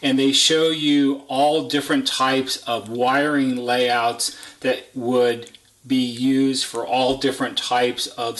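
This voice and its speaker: A man's voice: medium pitch, a bit bright. Man explaining a product in an echoey room. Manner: explanatory, matter-of-fact, detailed. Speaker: service technician presenting a product overview. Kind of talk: unscripted product walkthrough. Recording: echoey, roomy indoor sound.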